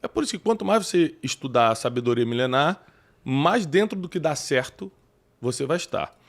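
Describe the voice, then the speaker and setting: A man's voice: medium pitch, lively intonation, a little fast, vocal fry. A man with a Brazilian Portuguese accent hosting a podcast conversation, talking in an emphatic, preacherly way and citing scripture. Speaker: podcast host.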